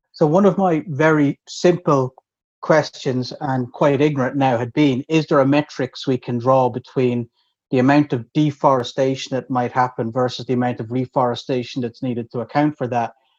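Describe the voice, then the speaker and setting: Against a quiet background, a man with an Irish accent speaks at a moderate pace and medium pitch. His intonation is fairly even, and the sound is dry and close with no echo. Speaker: podcast co-host. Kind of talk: casual chat.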